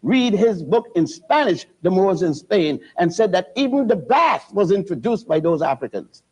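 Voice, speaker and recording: An older man from Puerto Rico, a guest historian who lectures with halting restarts and spells words out letter by letter. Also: high voice, sing-song, darkish tone, husky. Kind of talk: lecturing TV interview. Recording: dull lo-fi TV audio.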